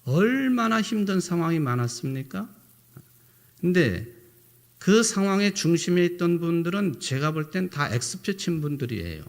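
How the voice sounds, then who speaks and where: A man's voice: mid-range voice, vocal fry. A middle-aged male pastor giving a sermon in a conversational way, often posing rhetorical questions to the congregation.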